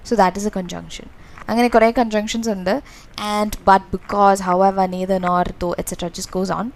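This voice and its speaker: A woman's voice: mid-range voice, level tone, takes it slowly. A woman with a Malayali accent coaching students through exam revision, explaining in a mix of Malayalam and English with many fillers. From Kerala, India.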